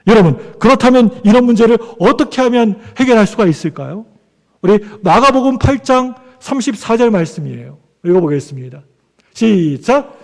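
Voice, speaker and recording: A man's voice: high-pitched, sing-song, brisk, creaky. A male pastor preaching a sermon in a conversational way, asking the congregation for amens. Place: church sanctuary. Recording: long church hall reverb.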